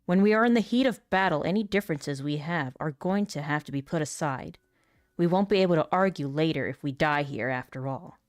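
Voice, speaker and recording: A commanding female military commander, voiced by a woman, firm and authoritative yet unbothered, as if she has seen it all. Her voice sits a touch low and is heard close and dry, with no room sound. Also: a little fast, no room sound, close to an everyday voice. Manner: firm, authoritative delivery of game instructions. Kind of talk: voice acting demo reading game lines.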